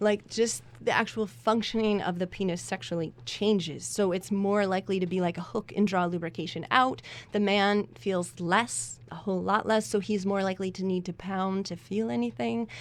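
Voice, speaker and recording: An unremarkable speaking voice from a woman, medium in pitch, at a moderate pace with lively intonation. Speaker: activist. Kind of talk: radio interview.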